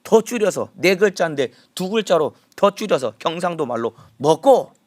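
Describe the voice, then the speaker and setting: A man's voice: a little high, lively intonation, moderate pace, no room sound, studio quality. A male pastor with a Gyeongsang accent giving an emphatic early morning sermon and leading the congregation in repeating phrases. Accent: Gyeongsang Korean. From Gyeongsang region.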